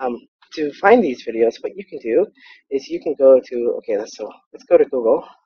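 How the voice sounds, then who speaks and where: This man's pitch varies in an ordinary way while he talks fairly quickly. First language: not English. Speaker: gaming video creator. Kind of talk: gameplay commentary tutorial. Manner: casual, conversational.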